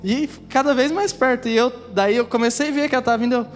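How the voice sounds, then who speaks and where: A man's voice: very high voice, fast. A man preaches to his congregation, acting out scenes from his own story. His voice rings with a long reverb through a church hall, while music plays faintly underneath. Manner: animated, acts out scenes and voices; talks directly to the congregation. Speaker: pastor. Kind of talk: sermon with storytelling.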